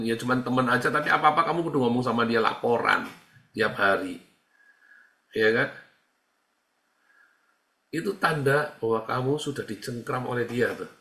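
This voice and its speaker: Pastor guy chatting thru a teaching, bright edgy voice, repeats himself a lot, echoey room. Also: mid-range voice. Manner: conversational, repeats phrases, acts out quoted dialogue. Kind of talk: casual teaching talk. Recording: roomy echo.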